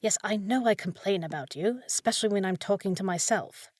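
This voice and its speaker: A woman's voice: mid-range voice, fairly quick, a little mellow, no room sound, studio quality, lightly acted. A woman playing a short, fussy young village housekeeper in a fantasy audio roleplay, proper and easily flustered, scolding yet caring. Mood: admiring, modest. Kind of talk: scripted fantasy audio roleplay, spoken to listener.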